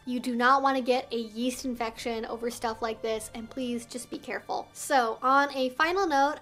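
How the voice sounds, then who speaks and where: High-pitched woman presenting an explainer vlog. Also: a bit bright. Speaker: video host and educator. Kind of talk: semi-scripted explainer vlog to viewers.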